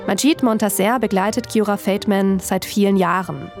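A woman journalist reading scripted documentary narration in a calm, measured storytelling manner. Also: medium pitch, faint music behind.

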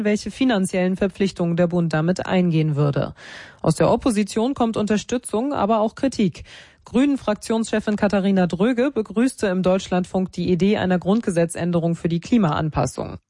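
A woman's voice: medium pitch, dark tone, no room sound, studio quality. A woman delivering a scripted radio news report.

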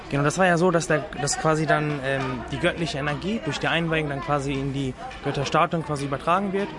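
A young man in his twenties talks fast and a little high, filling gaps with ums. A loud crowd chatters around him outdoors. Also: loud music behind the voice. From Germany. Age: 20s. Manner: quick, filler-heavy talk. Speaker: interviewee. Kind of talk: casual interview.

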